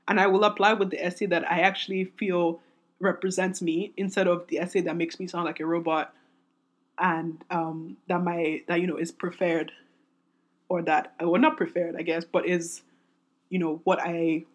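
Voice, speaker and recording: A woman in her twenties hosting a solo podcast, talking in a candid, rambling way with many restarts, her voice raspy and strained from singing. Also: lowish voice, level tone, normal speed. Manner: rambling, self-interrupting, candid. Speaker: podcast host.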